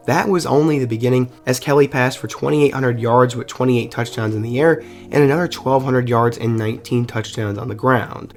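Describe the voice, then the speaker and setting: A man of middle pitch narrates a scripted college football story in a relaxed, conversational fan style. He is getting over the flu. Quiet music plays faintly underneath. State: recovering from the flu. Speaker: YouTube sports video host.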